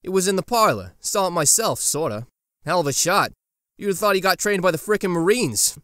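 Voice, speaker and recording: A man's voice: high-pitched, lively intonation, brisk, a bit bright, no echo, clean studio sound. A man playing a streetwise, sardonic teenage boy in a colloquial audio drama style. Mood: dry, defensive. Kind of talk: casual, colloquial fan audio drama acting.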